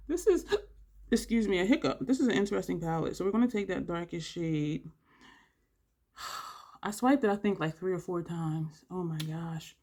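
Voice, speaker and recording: Vlogger, mid-pitch with a gravelly edge, congested-sounding, chatty makeup tutorial delivery with audible breaths. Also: a little mellow. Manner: rambling, thinks aloud while working; audible breathing between phrases. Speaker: beauty vlogger. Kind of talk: casual makeup tutorial chat.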